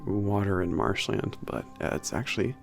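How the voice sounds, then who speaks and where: Man as a low, creaky-voiced, laid-back werewolf trainer. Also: expressive. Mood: relaxed, nostalgic. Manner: halting, mumbled, informal, trailing off. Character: laid-back, slightly gruff young male werewolf trainer at a spaceport. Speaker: workplace trainer. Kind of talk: casual ASMR roleplay. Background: soft background music.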